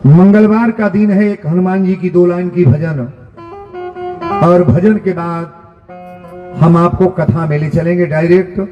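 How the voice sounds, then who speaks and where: A man with a Bhojpuri accent gives a live devotional sermon in a high voice, repeating his lines for emphasis and slowing down to chant verses. The recording carries a long hall echo, and music plays clearly underneath. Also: steady tone, lo-fi sound. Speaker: kathavachak preacher. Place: live religious gathering. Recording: echoey hall with music behind.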